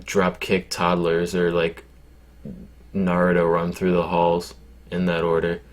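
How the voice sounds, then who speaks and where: A man with a very deep voice answering viewer questions in casual chat. His delivery is deadpan and glum-sounding, and he rambles through fillers and profanity. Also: unhurried, slight background noise. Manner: deadpan, low-key, sounds glum by his own account; rambling with many fillers and swearing.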